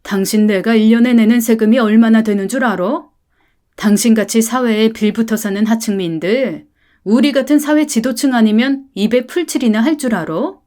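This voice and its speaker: A woman's voice: a little high, normal speed, mellow, close to an everyday voice. A woman voicing a wealthy, arrogant mother who talks down to others with contempt. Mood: scornful. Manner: sneering, haughty.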